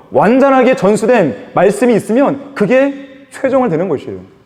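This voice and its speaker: With audible room echo, a man talks at an extremely high pitch, using lively intonation at a moderate pace. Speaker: pastor. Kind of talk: sermon.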